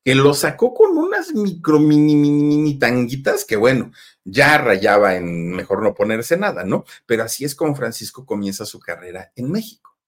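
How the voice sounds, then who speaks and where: A man's voice: mid-range voice, very animated, moderate pace. A man with a Mexican accent telling a gossip story in a chatty way, talking straight to his listeners. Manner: chatty, addresses listeners directly, many fillers. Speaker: storytelling host.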